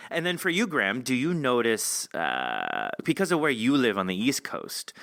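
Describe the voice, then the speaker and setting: A man's voice: mid-range voice, huge pitch swings, vocal fry, a bit bright, dry recording. An American man with a Californian accent, chatty and joking as he hosts a casual interview. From California, United States. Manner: chatty, joking, quick to laugh. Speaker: podcast host and interviewer.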